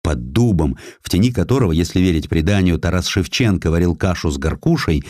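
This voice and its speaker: Deep-voiced man narrating history with lively expression. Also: no echo, clean studio sound. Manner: expressive, emphatic storytelling with deliberate pauses. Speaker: audiobook narrator. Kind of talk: dramatic scripted narration of a historical sketch.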